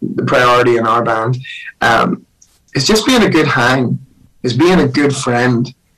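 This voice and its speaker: A man with an Irish accent, medium pitch and a bright, sharp tone. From Ireland, County Monaghan. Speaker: musician. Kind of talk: casual chat.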